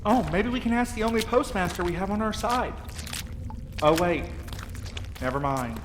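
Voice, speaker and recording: Actor as practical exasperated guy leading friends, highish voice, long echo, audio drama. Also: lively intonation, moderate pace. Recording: long echo, noisy effects ambience.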